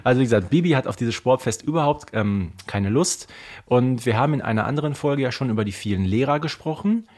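A man's voice: medium pitch, expressive, fast, a little mellow. A man co-hosting a podcast, chatting casually as a fan. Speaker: podcast co-host.

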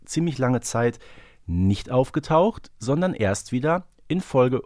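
A man co-hosts a podcast, casually discussing an audio drama series while thinking aloud in a reflective, hesitant way. His mid-range voice swings widely in pitch, moves slowly, and has a darkish tone, captured as clean studio sound with no echo.

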